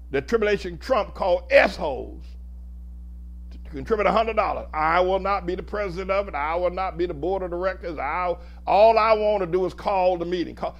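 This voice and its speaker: A male pastor preaching a sermon, emphatic and building his points in repeated lists of phrases. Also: sits high.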